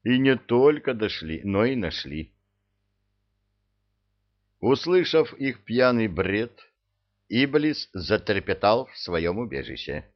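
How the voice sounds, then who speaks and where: A man's voice: lowish voice, sing-song, takes it slowly, long pauses, muffled recording. A man narrating a comic storybook tale with a wry, humorous manner.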